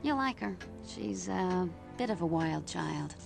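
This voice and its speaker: An actress voicing a calm adult heroine who leads a newcomer on a tour of her team's home in a video game. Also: on the low side, measured pace, gravelly, music in the background, exaggerated voice. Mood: welcoming. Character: calm adult woman mutant team guide. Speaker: game character giving a house tour.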